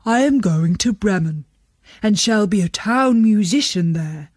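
A woman voicing an old runaway donkey in a children's story, eager to be a musician, with a hearty, drawn-out delivery. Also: mid-range voice, animated, darkish tone, breathy edge, no echo, clean studio sound. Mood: hearty, encouraging.

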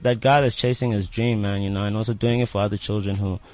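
A man's voice: on the low side, steady tone, fast, a little mellow, no room sound, faint music behind. A young South African man chatting casually as an interviewed rapper, with slangy speech peppered with filler phrases like "you know". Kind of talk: casual chat.

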